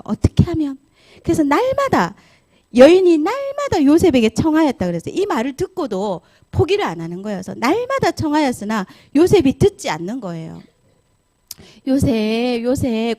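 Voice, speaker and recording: Pastor's wife leading Sunday school; high and highly animated, quizzes the kids as she tells the story. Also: dry recording. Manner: animated, asks the children questions. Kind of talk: children's Bible storytelling.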